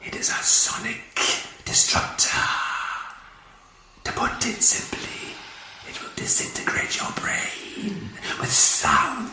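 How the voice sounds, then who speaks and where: A man's voice: high voice, huge pitch swings, takes it slowly, bright, forceful tone, roomy sound, voice pushed up, full character voice, low-quality recording. A male narrator voicing a menacing alien warrior warlord in a harsh, hissing whisper, cold and commanding.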